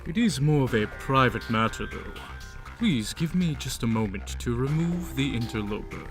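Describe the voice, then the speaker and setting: A man's voice: medium pitch, big pitch swings, moderate pace. Man as polite, menacing male monster villain. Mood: coolly polite. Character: softly menacing, sadistic male monster in human guise. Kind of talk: audio drama villain acting. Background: music.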